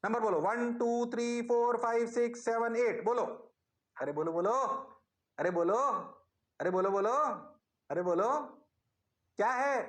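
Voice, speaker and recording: A man teaching physics in an online class, energetic and coaxing, repeating prompts to his students. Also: very high-pitched, a little slow, roomy sound.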